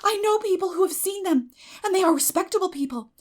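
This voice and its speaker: A little girl with a high voice and a wild imagination, easily terrified. She speaks breathlessly and melodramatically, swooping between urgent cries and hushed whispers, as in a dramatic storybook reading. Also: lively intonation, fast talker. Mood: eager insistence. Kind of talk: dramatic audiobook character acting.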